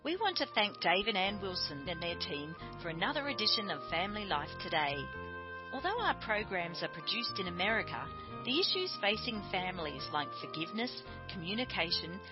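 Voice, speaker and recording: A woman's voice: medium pitch, sing-song, normal speed. A woman announcer reading a polished, scripted closing message for the show. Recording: muffled, with music underneath.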